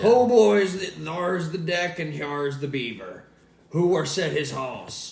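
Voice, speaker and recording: Putting on a character voice, a man talks at a fairly slow pace with a fairly high pitch. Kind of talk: old-timey drawl.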